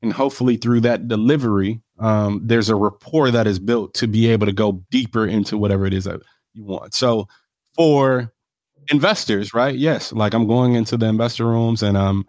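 Clean studio sound with no echo frames this man's medium-pitched, darkish voice. Speaking with an African American accent, the real estate developer chats casually in an interview, confident and emphatic, tagging his points with "right?"

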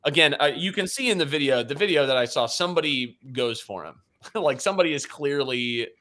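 Brief: podcast co-host, bright clear voice, loose chatty delivery with stumbling restarts. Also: male voice, a little high, animated. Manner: loose, halting, repeats words, swears casually. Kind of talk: casual sports chat.

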